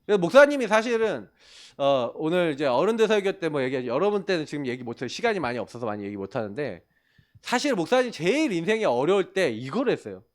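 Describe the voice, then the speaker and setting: A male pastor delivers a sermon to young people with a high, lively voice that swings up and down constantly. He keeps speaking straight to his listeners and poses questions that he answers himself. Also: quick pace. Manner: animated storytelling, addresses listeners directly and calls himself the pastor.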